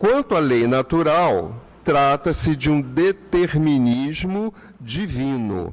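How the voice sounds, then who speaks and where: Pitch rises and falls very widely in delivery that is very slow. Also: man. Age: 70s. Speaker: spiritist lecturer. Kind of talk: religious lecture. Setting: spiritist centre hall.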